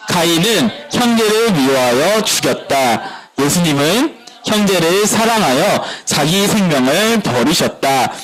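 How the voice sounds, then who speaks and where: A man preaching a sermon as pastor at a church service, animated, asking the congregation questions and answering them himself. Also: on the high side, rough recording.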